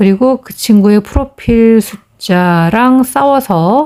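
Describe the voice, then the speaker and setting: A woman talks at a very slow pace in a fairly high pitch. Her intonation is lively. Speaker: YouTuber sharing dreams for lottery numbers. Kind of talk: monologue explaining dream numbers. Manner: polite formal.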